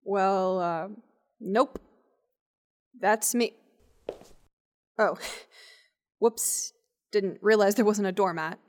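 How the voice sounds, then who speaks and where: A woman's voice: medium pitch, extremely slow, long pauses, a little mellow. An actress playing an awkward, sarcastic scientist in an audio drama, rambling and hesitant as she talks and narrates. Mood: awkward, flustered. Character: awkward, wry, sweary young woman scientist and cryptozoologist. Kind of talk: naturalistic audio drama acting with first-person narration.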